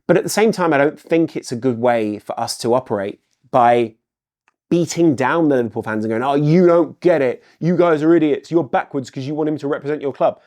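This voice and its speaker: Fast-talking middle-aged Englishman. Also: mid-range voice, a little mellow. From England. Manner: earnest, repetitive, uses "ultimately" often. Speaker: football channel host. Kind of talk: solo video commentary.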